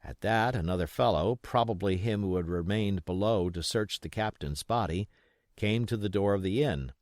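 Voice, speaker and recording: A man's voice: fairly low pitch, moderate pace, darkish tone, no room sound, studio quality. A man reading an adventure novel as an audiobook narrator, in scripted storytelling style.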